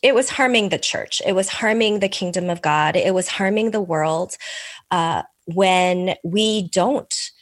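Appearing as a podcast guest, this author answers interview questions in a measured, thoughtful manner, with soft laughter and occasional restarts. She is a middle-aged Korean American woman who came over as an infant, with Korean as her first language. Her pitch is fairly low, and there's no echo.

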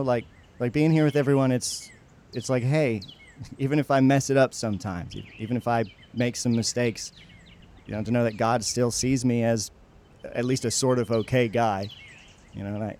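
An actor playing a joking, self-deprecating young church camper in an audio drama, casual and prone to restarts. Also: male voice, mid-range voice, steady tone, brisk, a little mellow, slight background noise, lightly acted. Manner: casual, jokey, stammering slightly over restarts. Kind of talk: naturalistic audio drama dialogue.

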